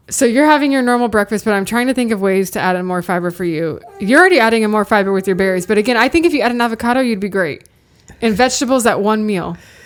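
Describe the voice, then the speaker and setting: Music plays in the background as a woman speaks at a very fast pace. Her pitch is fairly high and her intonation lively. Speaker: podcast co-host, new mother. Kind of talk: casual chat. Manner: sped up.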